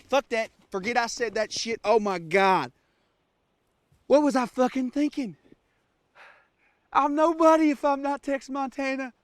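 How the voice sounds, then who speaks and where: An actor playing a lost, cold and hungry survival-show star whose confession swings between sobbing and panic. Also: male voice, medium pitch, darkish tone, no echo, natural voice. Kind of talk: comic monologue acting.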